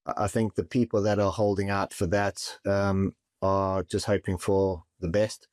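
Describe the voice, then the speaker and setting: A man answering interview questions as a property and mortgage advisor, speaking in a measured way and often repeating words as he starts. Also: low-pitched, level tone, a little mellow, no echo, studio quality.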